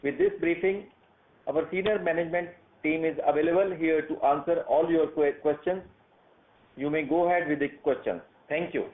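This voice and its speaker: A man's voice: on the high side, fairly even intonation, normal speed. A man formally delivering a company's financial briefing on a conference call. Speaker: company presenter closing briefing. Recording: echoey, thin phone line.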